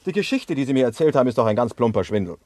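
Man doing a blustering police lieutenant, lively up-and-down voice, fast, bossy, radio play. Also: medium pitch, a little hiss or hum, natural voice. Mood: brusque. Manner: brisk and bossy.

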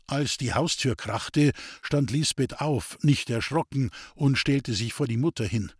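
A man narrating a classic novel in a steady storytelling voice. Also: mid-range voice, measured pace, slightly rough, no echo, clean studio sound. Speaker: audiobook narrator.

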